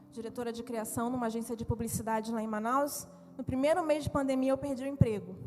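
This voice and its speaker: Woman preacher, high voice, emotional testimony, reverberant hall with soft music behind. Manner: emotional, heartfelt storytelling. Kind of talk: sermon with personal testimony. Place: church hall.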